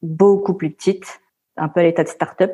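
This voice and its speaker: This is a woman with an unremarkable speaking voice. She talks at a moderate pace. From France. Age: 30s. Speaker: podcast guest sharing her layoff experience. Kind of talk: casual interview.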